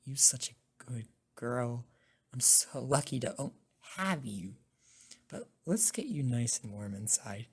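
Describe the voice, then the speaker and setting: A woman voicing a caring, dominant young college boyfriend in an ASMR roleplay, with a hushed, soothing and commanding manner. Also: a bass voice, expressive, slow, husky, pitched below the performer's own voice, exaggerated voice. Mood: teasing, affectionate.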